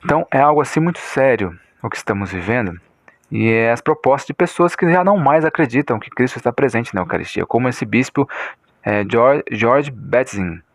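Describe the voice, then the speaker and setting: Man, Brazilian accent, medium pitch, informal religious commentary, didactic and repetitive, dry recording. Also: lively intonation, a little fast, no room sound.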